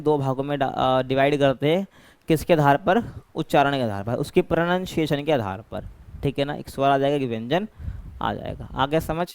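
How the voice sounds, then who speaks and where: A man's voice: a little high, clear, resonant tone, no echo. Hindi male tutor saying "ठीक है ना" often. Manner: explains step by step, often adds "ठीक है ना" and "भाई". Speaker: teacher. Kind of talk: exam-prep lecture.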